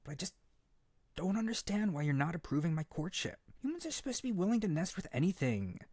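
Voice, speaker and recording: A man's voice: sits high, quick pace, breathy edge, dry recording, heavily acted. A man playing a hyper, naive and desperate harpy boy in an ASMR character roleplay, earnest and pleading. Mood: dejected, desperate. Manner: pleading, excitable, stammering, earnest.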